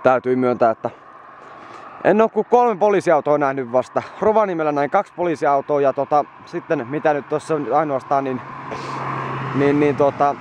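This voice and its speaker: A man's voice: fairly high pitch, a little mellow, lo-fi sound, a little hiss or hum. Tired young man rambling while riding. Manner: rambling, chatty, swears often, tired. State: exhausted. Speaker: vlogger on a moped trip. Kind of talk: casual travel vlog to camera.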